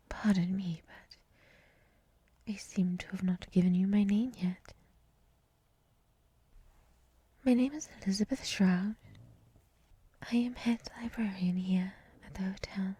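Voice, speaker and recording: A woman voicing a gentle dryad librarian in a soft, breathy whisper for an ASMR roleplay, speaking in a hushed, soothing, reflective way close to the microphone. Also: mid-range voice. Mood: gentle, welcoming.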